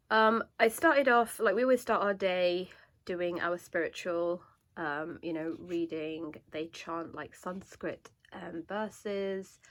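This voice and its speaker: Woman, sore and congested throat, relaxed chat full of fillers, slightly low voice. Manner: chatty, many fillers and restarts. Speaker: homeschooling parent vlogger. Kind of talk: casual chat to camera. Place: indoors at a table. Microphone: camera above a desk, hands only in frame.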